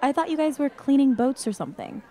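A woman's voice: high-pitched, lively intonation, quick pace, mellow. A woman playing a friendly, chatty friend in an audio drama. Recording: faint crowd chatter behind.

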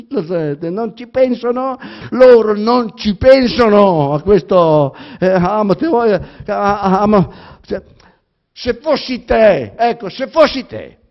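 A man with a Romagna accent reading a theatrical monologue aloud, halting and stammering, full of repetitions and fillers. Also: high voice. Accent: Romagna Italian. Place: public library reading event. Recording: dull lo-fi recording.

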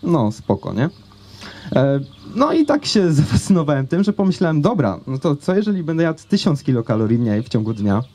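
Holding a mic on an outdoor festival stage, a young man shares a personal story with the crowd. His warm voice sits on the high side, swings widely in pitch and runs a little fast, and his delivery is chatty, halting and filler-heavy.

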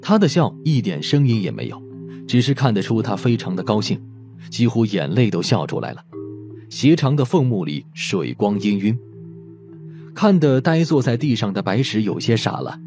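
Mellow male storyteller with animated pitch. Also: moderate pace, faint music behind. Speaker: audiobook narrator. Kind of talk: scripted audiobook narration of a mystery novel.

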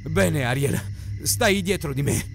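A man voicing a gruff, middle-aged bearded man in an audiobook, swearing and giving unsteady orders. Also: on the high side, slow pace, soft background music. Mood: shaky.

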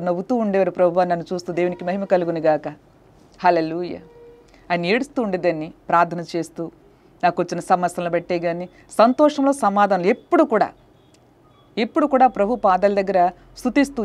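Fervent woman preacher pleading. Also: mid-range voice. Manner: fervent, emotional pleading with repeated hallelujahs; speaks directly to the congregation with rhetorical questions. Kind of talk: sermon.

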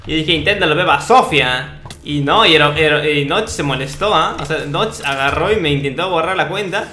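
With a sharp, fairly high voice and a slightly fast pace, a young gaming host offers laid-back Minecraft commentary in a Peruvian Spanish accent. He sounds cocky and teasingly self-important, recorded in a roomy room with faint noise behind him.

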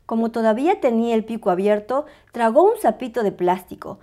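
A woman reading a picture book aloud as a storyteller, with expressive, dramatized narration for small children. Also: on the high side, brisk.

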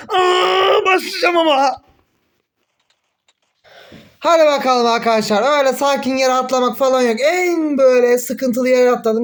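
High-voiced excitable young gaming streamer man. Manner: excitable, swears and groans when frustrated. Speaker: mobile game streamer. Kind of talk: casual gameplay commentary.

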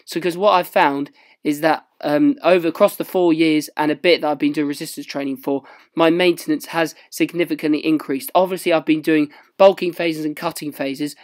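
A young man, hoarse and husky from losing his voice, explaining fitness in an earnest, self-deprecating vlog voice-over. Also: on the high side, fairly even intonation, brisk. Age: young adult. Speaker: fitness vlogger. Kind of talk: casual vlog chat and voice-over. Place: home, small room.

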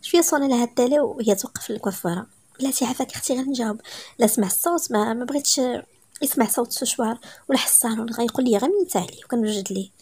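A woman with a Moroccan accent reading a romance story aloud, briskly voicing each character in turn. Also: a little high, darkish tone, slight background noise.

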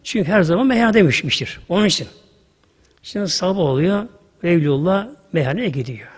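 Man, preacher, husky, long hall reverb. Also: high voice, animated, a little fast. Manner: storytelling with sudden loud rises and hushed asides. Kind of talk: sermon.

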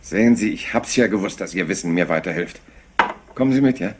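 An actor playing an affable, rumpled police inspector in a crime drama, rambling and hesitant while feigning harmless curiosity. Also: male voice, deep voice, expressive, a little fast, very noisy. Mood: impressed. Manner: hesitant, rambling, politely ingratiating. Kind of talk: German crime drama acting.

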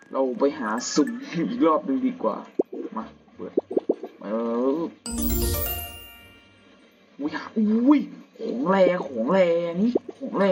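A young man, still a student, giving casual gameplay commentary at home at night, slangy and crude with excitable outbursts. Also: mid-range voice. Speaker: gamer. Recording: dull lo-fi audio with game music.

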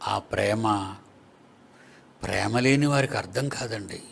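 Gravelly-voiced man preaching a sermon. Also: lowish voice, slow, a bit bright, slight background noise. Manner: teasing rhetorical questions to the congregation. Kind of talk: sermon to a congregation.

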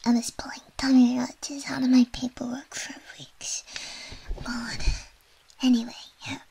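A woman in a whispered role-play as a quirky, soothing, slightly shady surgeon, talking gently and playfully as if giving personal attention. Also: high-pitched, level tone, unhurried, creaky, husky. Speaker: ASMR performer playing a doctor.

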